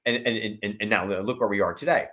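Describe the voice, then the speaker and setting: Brisk and fairly bright, with a voice on the low side, this man is an investment analyst being interviewed. His financial commentary is conversational but emphatic, and he keeps rewording his points as he goes.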